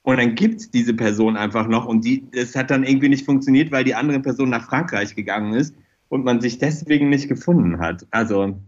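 A middle-aged man with a mid-pitched voice chats casually as a podcast guest. He rambles enthusiastically through personal stories, and the recording sounds slightly dull and muffled. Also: fairly quick. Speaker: interview guest, fashion designer.

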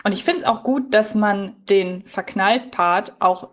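A woman's voice: medium pitch, slow. A woman co-hosting a podcast in casual discussion, speaking in wordy, circling sentences. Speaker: podcast co-host. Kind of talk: casual podcast discussion of an audio drama episode.

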